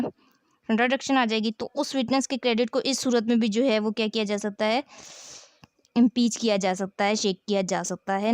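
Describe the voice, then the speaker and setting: A woman's voice: a little high, clean tone, no room sound. A woman with a South Asian accent giving an explanatory lecture as a law teacher, didactic, posing questions and answering them, repeating key phrases.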